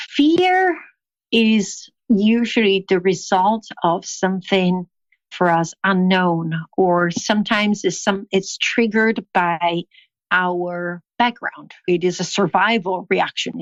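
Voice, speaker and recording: Speaking at a fairly slow pace in an Italian accent, a woman keeps a fairly even intonation, and the sound is dry and close with no echo. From northern Italy. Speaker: shark diving instructor. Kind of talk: interview.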